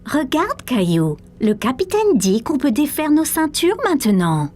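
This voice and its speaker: A woman voicing a calm, caring young mother who patiently reassures her son in a children's cartoon. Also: high voice, a little slow. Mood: reassuring.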